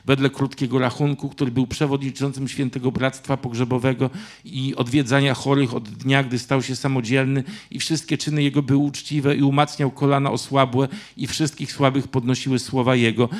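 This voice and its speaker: A man reading from a novel and voicing a stern, cold elderly grandfather in a literary reading, with clipped, drawn-out words. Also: medium pitch, little pitch movement, lightly acted. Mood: solemn recitation.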